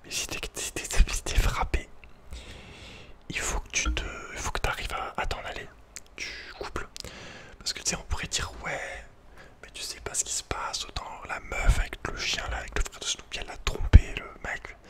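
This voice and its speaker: A man speaks in a breathy whisper throughout, as in an ASMR video. His delivery is casual and slangy, with a hesitant, rambling flow. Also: moderate pace.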